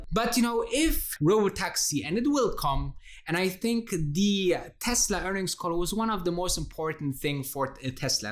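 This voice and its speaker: A host with gives enthusiastic, conversational stock investing commentary, addressing viewers directly and emphatically. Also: medium pitch.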